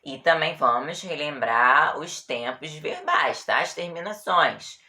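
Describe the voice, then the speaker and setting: Patient Brazilian teacher, low bright voice. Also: female voice, lively intonation. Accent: Brazilian Portuguese. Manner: patient, drawn-out example words, checks with "tá bom?". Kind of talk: grammar lesson for students.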